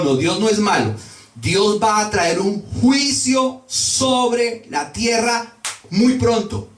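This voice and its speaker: A man preaching a sermon with emphasis, drawing out and repeating key words. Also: high voice. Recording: echoey room, voice from a distance.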